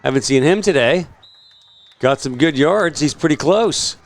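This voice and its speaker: A man's voice: fairly high pitch, expressive, a little slow. A man doing casual play-by-play commentary on a local football game, chatty and joking between plays. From Canada.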